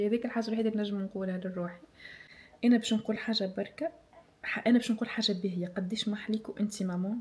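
A woman's voice: mid-range voice, warm tone. A young woman with a Tunisian accent, chatting casually and reflectively as a vlogger, switching freely between Arabic, French and English as she answers viewers.

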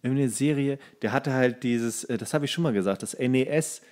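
Guy podcast co-host just chatting, mid pitched voice, loose everyday talk, kinda into it. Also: brisk, darkish tone. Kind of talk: casual chat about films and series.

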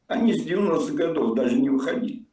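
A man's voice: on the high side, expressive, fast talker, mellow. Older guy on a video chat, blunt and mocking, sounds far off from the mic. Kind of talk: casual argumentative chat. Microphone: remote video call audio. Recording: distant echoey video call.

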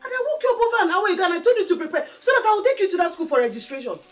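A woman's voice: very high-pitched, sing-song, rapid-fire, soft background music. An actress with a Nigerian accent playing an emphatic mother in a film drama, given to scolding and reassuring. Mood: exasperated, scolding. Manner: emphatic, repeats rhetorical questions and tag words.

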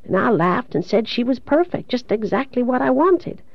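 A woman's voice: a little high, very animated, moderate pace, creaky, no room sound, lo-fi sound, voice pushed up, heavily acted. A woman voicing a grief-stricken, devout young man in love in an audiobook, earnest and pleading. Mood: bewildered, hurt.

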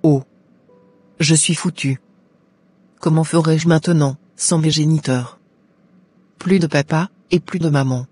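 A woman's voice: sits low, steady tone, a little slow, long pauses, mellow, slightly rough, no echo. A woman voicing a headstrong, regretful young orphaned daughter in an amateur Christian cartoon, lamenting dramatically over music. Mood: grieving, regretful.

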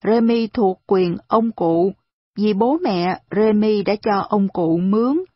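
A woman reading aloud voices a kind, gentle wealthy lady who speaks soothingly and reasons patiently, in a slightly husky voice on a dull recording. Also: mid-range voice, slow, no room sound. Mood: gently persuasive.

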